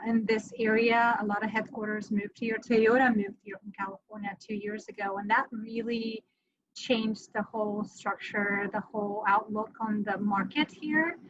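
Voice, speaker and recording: Woman on a muffled call. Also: a little high. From Romania. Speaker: mortgage lender, guest. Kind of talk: casual interview answers.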